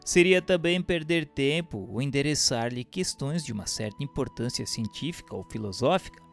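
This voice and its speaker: A man giving a measured, solemn scripted reading of a religious book as narrator. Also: mid-range voice, lively intonation, faint music behind.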